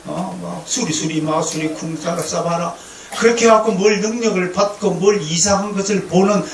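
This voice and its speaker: A male pastor preaching a lively lecture-sermon to a congregation, with humor and call-and-response. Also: high voice, normal speed. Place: church sanctuary. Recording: echoey hall, distant mic, faint noise.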